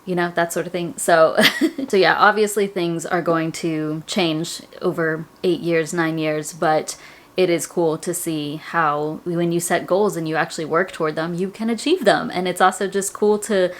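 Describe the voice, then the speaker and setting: A woman's voice: fairly low pitch, fairly even intonation, moderate pace. A woman, chatting casually to her viewers about her personal finance goals, rambling with lots of "like"s. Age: 30s. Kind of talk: casual chat to camera.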